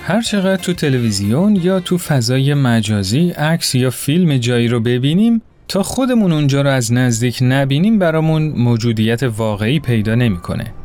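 A man narrating a story in an expressive, acted-out way. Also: medium pitch, hardly any pauses, soft background music. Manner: expressive, voices characters.

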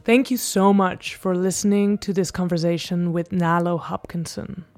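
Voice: mid-range voice, flat delivery, moderate pace, darkish tone, no room sound, soft background music. A podcast host giving an earnest, informative introduction. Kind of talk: spoken introduction.

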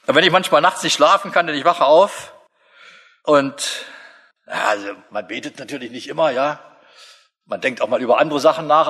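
A middle-aged man preaching a sermon in a lively, humorous way, speaking straight to his listeners. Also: fairly high pitch, creaky, slightly rough. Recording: long hall reverb.

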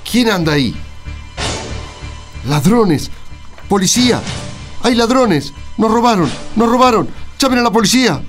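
A man's voice: high voice, expressive, measured pace, pauses often, music in the background. A man playing a kindly, weary village priest, fatherly and conversational, with an Argentine accent, in a radio drama. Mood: alarmed, shouting.

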